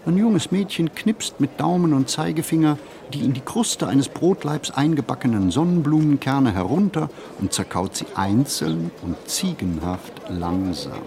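A man reads a reflective literary monologue for a radio play, phrasing deliberately and expressively with pauses. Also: medium pitch, animated, mellow, a little hiss or hum.

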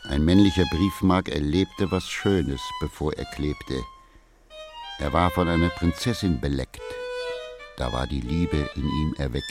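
A wistful, droll reciter of comic love verse. His voice is extremely deep. He speaks in measured rhyme for an audio play, with music clearly behind him. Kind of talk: poetry recitation.

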